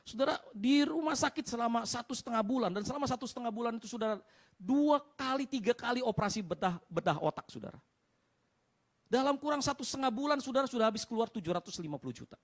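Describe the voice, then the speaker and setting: A man preaching a sermon as pastor, telling personal stories and addressing the congregation over and over, dropping to a hush and then rising to shouts. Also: extremely high pitch, expressive, fast talker. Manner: addresses the congregation as "saudara" constantly, swings from quiet to shouting.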